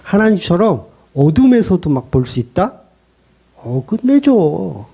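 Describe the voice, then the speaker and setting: A man voicing a sweet-talking serpent tempter who coaxes slowly and gently. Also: sits high, sing-song, vocal fry, breathy edge, exaggerated voice. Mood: coaxing. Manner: coaxing, slow, honeyed.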